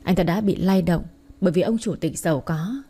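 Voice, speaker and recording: A woman's voice: lowish voice, brisk, husky. A woman narrating a family drama story, telling it steadily and with feeling. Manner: steady, emotional first-person telling.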